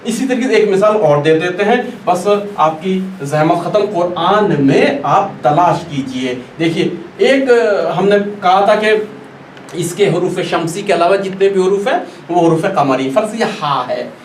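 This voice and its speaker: Man, quran teacher, patient, drawn-out examples, slow-spoken, far from the mic, faint hiss. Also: high voice, animated. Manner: patient, repeats and drawls examples. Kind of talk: classroom lesson. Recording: echoey room, distant mic, faint noise.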